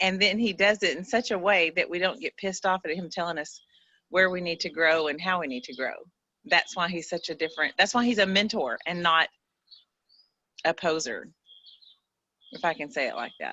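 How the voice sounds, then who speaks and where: In a strong East Texas accent, a woman speaks at a fairly quick pace with medium pitch, lively intonation and an animated tone. Long pauses come often. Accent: strong East Texas twang. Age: 40s. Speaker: online business community member. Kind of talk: casual chat.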